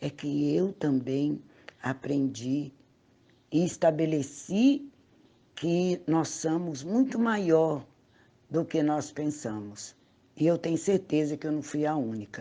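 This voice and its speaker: Speech comes at a very slow pace, broken by long, frequent pauses. The background is quiet. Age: 60s. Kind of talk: testimony.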